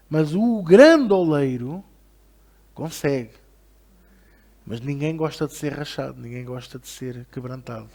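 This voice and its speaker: A man with a European Portuguese accent, preaching a Bible study sermon with lively rhetorical questions to the congregation, then leading a prayer. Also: a little high. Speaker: pastor.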